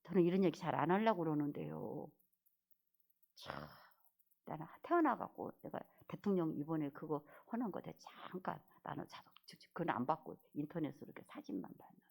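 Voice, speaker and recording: Woman pastor, lively swooping voice, scolding, loud then whispering. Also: sits low, a little fast, creaky. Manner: animated and scolding, swinging between loud exclamations and whispered asides. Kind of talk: sermon.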